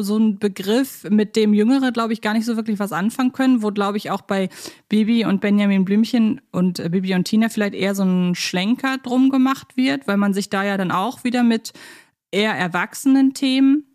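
A woman's voice: medium pitch, darkish tone. A woman hosting a podcast, talking casually in a chatty, thoughtful way as she explains her views on children's audio dramas. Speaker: podcast host.

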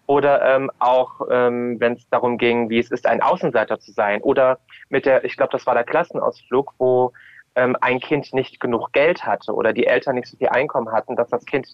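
A man's voice: medium pitch, steady tone, dry recording. Guy on a podcast reminiscing, stumbles for words, gets emphatic, dry kinda muffled sound. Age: adult. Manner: halting, searching for words, emphatic, acts out short quotes. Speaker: podcast guest, drag queen and DJ. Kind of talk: casual interview, reminiscing.

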